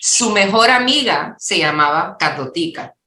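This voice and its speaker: A woman's voice: medium pitch, lively intonation, unhurried, bright, forceful tone, echoey room. A woman in her sixties from Miami, born in Cuba, with a Cuban-American accent, telling personal stories conversationally as an interview guest. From born in Cuba, raised in Miami. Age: 60s.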